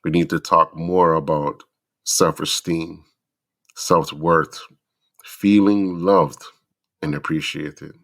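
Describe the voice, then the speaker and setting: A man's voice: very deep voice, fairly even intonation, fairly bright tone. A middle-aged man with a stuffy, congested voice, hosting a podcast and speaking earnestly to fathers in a reflective monologue. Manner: earnest, preachy, slow deliberate lists. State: stuffy from the flu. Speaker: podcast host.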